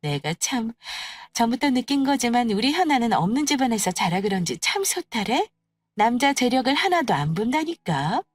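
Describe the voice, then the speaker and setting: A woman voicing a snobbish, sneering young woman in an audio story, talking in a condescending, mocking, drawn-out way. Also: on the high side, big pitch swings, no echo, faint music behind, pitched above the performer's own voice. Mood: mocking, disdainful. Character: snobbish, sneering young woman who belittles her friends. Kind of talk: acted dialogue in an audio story.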